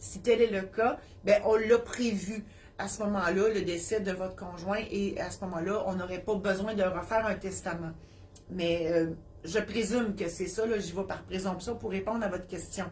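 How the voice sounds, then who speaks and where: A woman talks at a moderate pace in a medium pitch. There is noticeable background noise and audible room echo. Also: fairly even intonation. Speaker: notary. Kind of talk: weekly Q&A column, answering viewer questions. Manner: hesitant, many filler sounds.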